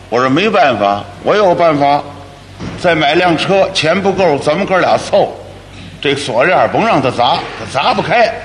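A man telling a solo comic story in a lively, wry manner. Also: fairly high pitch. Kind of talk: solo crosstalk monologue. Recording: echoey hall, faint noise.

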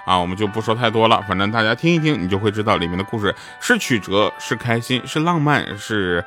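A man hosting a show in a relaxed, playful storytelling manner, telling a joke before introducing a song. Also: on the low side, quick pace, soft background music. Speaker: radio drama cast member hosting a show.

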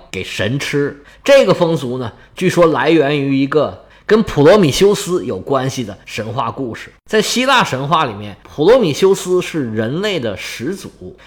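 Male storyteller, lively and colloquial, humorous myth-telling, expressive swings. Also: on the high side. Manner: colloquial, lively, jokey asides.

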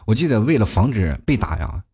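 A man's voice: lowish voice, very animated, fairly quick, warm tone, slightly rough. A man telling funny stories in a chatty comic monologue as a talk show host, often laughing at his own jokes.

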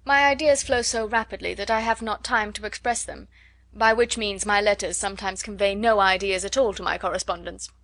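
A woman reading as an affable, easygoing young gentleman. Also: medium pitch, steady tone, fairly quick, dry recording, natural voice. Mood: good-humoured. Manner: affable, protesting good-humouredly. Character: good-natured young gentleman, easygoing and cheerful.

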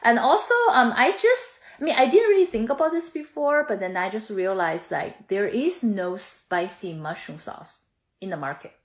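A woman's voice: mid-range voice, moderate pace, echoey room. A woman in her thirties from Chongqing with a Chinese accent, chatting eagerly as a founder in an interview, restarting her sentences and filling gaps often. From Chongqing, China. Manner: lively, frequent fillers and restarts. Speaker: sauce brand founder, guest. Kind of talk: casual interview conversation.

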